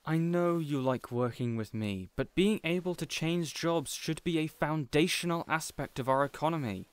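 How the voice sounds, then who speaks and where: A man's voice: fairly high pitch, moderate pace, smooth, no echo, lightly acted. A man playing an earnest, protective supervillain boss in an audio roleplay, dramatic and easily exasperated. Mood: earnest, gentle. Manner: earnest, exasperated, wholesome mild oaths. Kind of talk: audio roleplay addressed to the listener.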